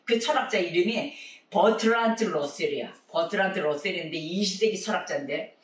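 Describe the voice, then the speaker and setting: A man preaching a sermon, telling the story with animated voices for the people in it. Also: high voice, normal speed. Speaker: pastor. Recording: echoey room, recorded from far off.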